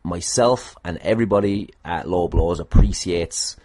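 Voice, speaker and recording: A man's voice: low-pitched, unhurried, mellow. An Irish man hosting a podcast, chatting casually in a rambling, dry and self-deprecating way. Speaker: podcast host. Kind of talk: casual solo podcast talk.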